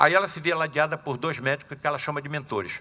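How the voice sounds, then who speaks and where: A man talks at a fairly quick pace. His tone is bright, sharp and animated. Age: 70s. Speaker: physician and spiritist lecturer. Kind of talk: lecture.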